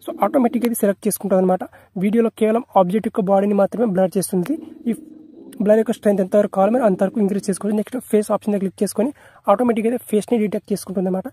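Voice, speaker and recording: A man's voice: high voice, steady tone, rapid-fire, warm tone, breathy edge. A man narrating an app tutorial in a repetitive, instructional way, mixing in English tech terms.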